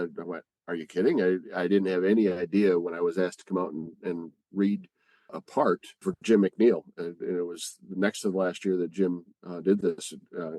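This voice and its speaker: Guy with a real low voice, chatty storytelling, halting, close dry sound. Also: dark tone, no echo. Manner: halting, repeats phrases. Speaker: guest, community theatre player. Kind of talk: conversational storytelling.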